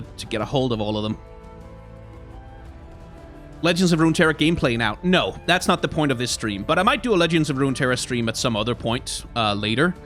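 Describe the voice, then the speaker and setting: A young man, a little hoarse, chatting casually on a live stream, rambling and answering his chat as he reviews card art. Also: mid-range voice, fairly bright tone. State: slightly hoarse.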